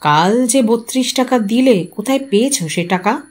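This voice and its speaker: A woman's voice: a little high, expressive, moderate pace. A woman storyteller voicing a poor, proud husband in an audio story, speaking in a stern, hurt, accusatory manner. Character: Paresh, poor proud husband, wounded and indignant man.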